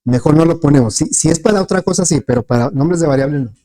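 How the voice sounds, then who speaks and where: This classroom lecture comes from a man with a rather high, dark-toned voice who talks fast. Patient with his class, he keeps pausing to ask students questions, and he uses lots of fillers and often starts sentences over.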